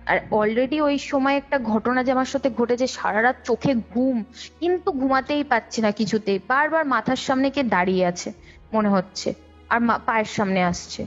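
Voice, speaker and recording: A young woman speaks in a fairly high voice on a dull, lo-fi call recording. She recounts a personal ghost story in a conversational way, detailed and repetitive, with music playing underneath. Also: normal speed. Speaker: guest, caller. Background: background music.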